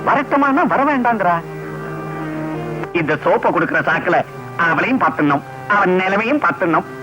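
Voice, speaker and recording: Brief: bumbling comic hero, theatrical, swoops all over, stiff English asides. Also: male voice, high voice, animated, a little fast. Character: bumbling young man, fussy and excitable. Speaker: comic hero posing as a London visitor. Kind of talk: 1980s Tamil film comedy acting. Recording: dull lo-fi old film soundtrack with music.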